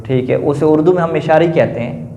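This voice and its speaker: A male teacher giving a classroom lecture on grammar, posing questions to the class and answering them himself, often adding a quick confirming filler. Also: a little high, mellow. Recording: echoey room, dull lo-fi sound.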